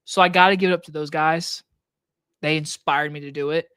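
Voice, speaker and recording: A man with a scratchy, hoarse throat hosting a casual live stream Q&A from his desk, talking loosely with plenty of likes and restarts into a microphone on a boom arm. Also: steady tone, fairly quick, bright, forceful tone, no echo, studio quality. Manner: loose, rambling talk with many likes and restarts. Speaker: movie reviewer and channel host. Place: home desk setup.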